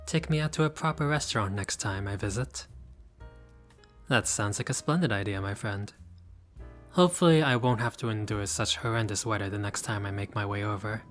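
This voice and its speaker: A man's voice: lowish voice, normal speed, pauses often, fairly bright tone, soft background music, lightly acted. A man playing a haughty but friendly vampire lord in a roleplay audio, speaking in a formal, fussy, politely pompous way. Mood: gracious, refined. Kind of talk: scripted roleplay audio addressed to the listener.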